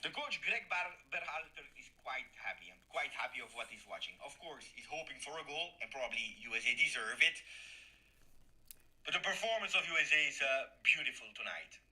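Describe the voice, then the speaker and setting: A man with French as his first language voicing an excitable male football match commentator, calling the plays with quick repeated phrases. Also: mid-range voice, voice pushed up, low-quality recording. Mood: commenting. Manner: rapid repeated play-by-play calls.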